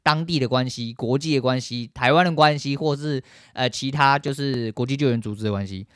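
A man's voice: mid-range voice, a little fast, fairly bright tone, no room sound, clean studio sound. A man with a Taiwanese Mandarin accent hosting a solo podcast, ranting angrily and swearing constantly. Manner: angry, profane ranting. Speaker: podcast host.

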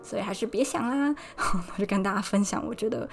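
A woman's voice: mid-range voice, brisk, vocal fry, soft background music. A young woman from Taiwan hosting a casual solo podcast, chatty and retelling conversations. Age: young adult. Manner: chatty, recounts dialogue with animated quoted voices. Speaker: podcast host. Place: Poland.

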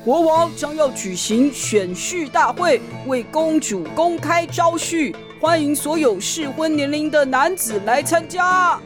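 A woman's voice: high voice, lively intonation, unhurried, hardly any pauses, voice pushed up. A woman voicing formal, self-assured men of a royal court in a children's storybook. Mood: proclaiming. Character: officious male royal herald and confident rich chief minister. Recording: clear music behind the voice.

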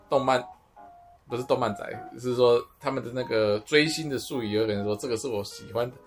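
A man with a Taiwanese Mandarin accent in casual podcast chat, explaining haltingly and often repeating his words. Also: medium pitch. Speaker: podcast co-host.

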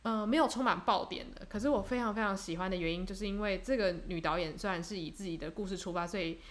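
Young woman from taiwan, casual podcast chat, quick and reflective. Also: medium pitch. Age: young adult. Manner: reflective, many fillers and restarts. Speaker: podcast co-host.

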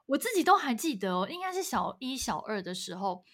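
A woman, co-hosting a casual chat podcast and responding warmly with her own stories. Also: a little high, sing-song, fairly quick. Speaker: podcast co-host.

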